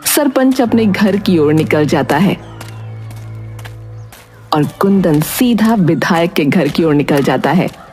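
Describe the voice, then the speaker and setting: Lively, lowish-voiced woman narrator. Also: slow pace, pauses often, faint music behind. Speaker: story narrator. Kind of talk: scripted moral story narration.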